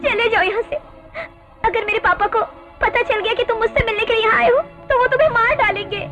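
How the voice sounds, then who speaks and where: A woman's voice: very high-pitched, a little fast, over music. An actress dubbing a frightened young woman, torn between love and family, pleading desperately. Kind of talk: Hindi film dubbing. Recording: muffled film audio, loud score and crowd.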